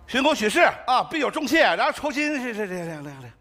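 A man's voice: very high voice, very animated, quick pace. A man in a stage comedy sketch, sly and stammering, wheedling his way along. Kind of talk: northeastern comic sketch. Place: stage before a live audience. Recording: noisy stage recording.

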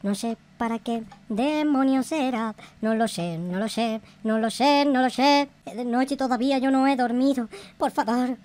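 A woman's voice: fairly high pitch, unhurried, few pauses, a little mellow. A woman hosting a gaming video, giving theatrical, slangy, profane Minecraft roleplay commentary full of exclamations. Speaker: gaming video creator and host.

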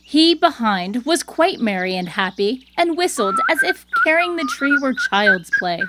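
A woman's voice: high-pitched, wildly swooping pitch, measured pace, very noisy. A woman storyteller reading scripted fairy-tale narration.

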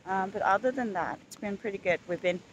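A woman's voice: medium pitch, a little fast, lo-fi sound. Chatty woman vlogging outdoors. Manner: relaxed, chatty, many fillers and restarts. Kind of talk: casual vlog chat to camera. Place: outdoors at a beach campsite. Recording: outdoor noise in background.

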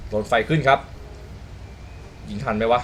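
A young man with a hoarse voice commentating a game replay in a casual way, explaining the mechanics and exclaiming at big shots. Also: mid-range voice, normal speed, slight background noise. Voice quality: hoarse from just waking up.

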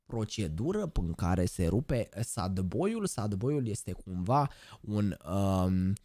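A man in his twenties, live streaming and chatting, hyper and joking, bursting into shouted catchphrases. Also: fairly low pitch, big pitch swings, no echo. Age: 20s. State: over-excited. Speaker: gaming streamer.

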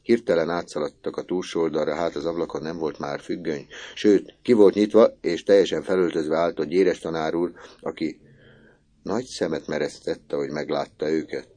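A man reading a classic novel aloud as an audiobook narrator, measured and expressive. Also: a bass voice.

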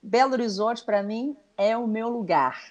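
Woman, 30s, Minas Gerais accent, enthusiastic guest on a video call, slightly high voice. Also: normal speed, a crowd in the background. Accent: Minas Gerais Portuguese. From Brazil. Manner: chatty, enthusiastic, lots of fillers. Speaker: guest musician. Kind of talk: casual TV chat. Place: small room indoors. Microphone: laptop video call.

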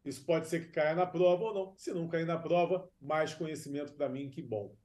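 A man's voice: fairly high pitch, fairly quick, a little mellow. A Brazilian man in early middle age, giving informal advice as an expert on a self-recorded video. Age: 30s or 40s. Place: small room at home or office.

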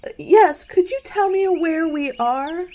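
A woman's voice: extremely high pitch, expressive, a little slow, mellow. A woman playing a chipper, dismissive, stubbornly optimistic young college student in a radio play. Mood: breezy, dismissive.

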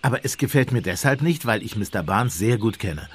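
A male actor as a gentle village priest who plays detective in a radio drama. His voice is on the low side and very expressive. He questions and doubts courteously, over faint background ambience. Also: a little fast, slight background noise, close to an everyday voice. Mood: protesting, earnest. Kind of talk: German radio play acting.

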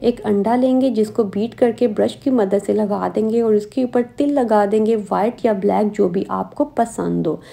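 A woman, calmly guiding viewers step by step through a recipe as a cooking host in voice-over. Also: mid-range voice, normal speed, gravelly, few pauses. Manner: calm step-by-step instructions.

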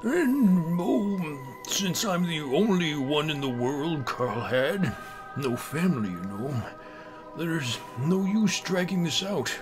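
A man voicing a sneering, gloating old doctor in a dramatic horror comic reading, with a theatrical, drawn-out delivery. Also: a little high. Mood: feigned grief. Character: sneering, gloating old doctor who poisoned his friend.

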